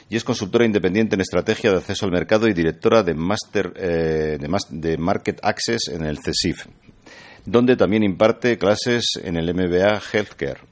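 A man hosting an interview podcast, reading a formal introduction of his guest and then asking relaxed questions. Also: low-pitched. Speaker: interview host.

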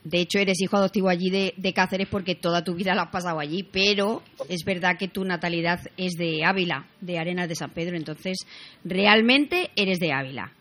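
A woman's voice: on the low side, a little fast, a bit bright. A woman hosting a radio show, effusive and enthusiastic as she praises her guest. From Spain. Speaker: radio host. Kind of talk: casual radio chat.

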